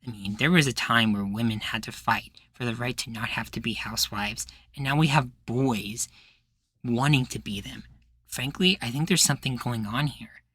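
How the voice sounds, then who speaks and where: A man acts out an earnest young male activist in a roleplayed podcast interview. He is insistent and pleading, sure of his cause. His voice is medium in pitch and sharply bright, recorded very dry. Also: moderate pace, breathy edge, no room sound. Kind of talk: ASMR roleplay of a podcast guest.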